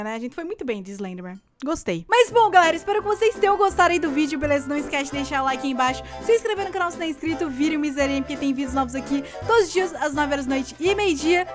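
Excitable young Brazilian woman gamer. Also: sits high. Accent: Brazilian Portuguese. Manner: expressive, exclaiming and laughing often. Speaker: gaming YouTuber. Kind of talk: excited gameplay commentary.

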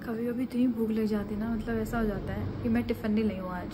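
A young woman from Uttarakhand chatting casually through a daily vlog, loud and lively outdoors, quiet and subdued at home. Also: a little high, fast talker, background noise. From Uttarakhand, India. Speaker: vlogger. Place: streets, office and home, in and out of doors.

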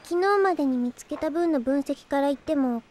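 A woman's voice: sits high, normal speed, darkish tone, natural voice. A woman voicing an earnest, polite young girl in an anime-style audio drama. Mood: earnest, curious.

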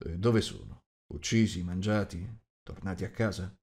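A man voicing a gruff, rude, huge shape-changer who growls and talks bluntly. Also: sits low, steady tone, moderate pace, a little mellow.

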